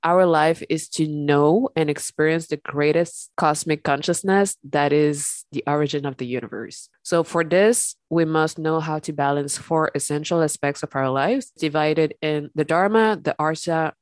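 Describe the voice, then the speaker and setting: A woman hosting a spiritual podcast, talking gently and calmly while congested from an illness. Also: sits low, moderate pace, few pauses, dry recording, studio quality. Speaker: podcast host. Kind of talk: calm spiritual podcast talk.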